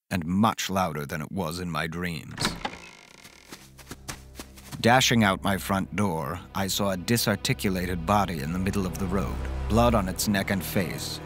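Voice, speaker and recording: An actor playing a caring, reflective man who recounts eerie events in measured, dramatic first-person horror narration. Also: low voice. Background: music underneath.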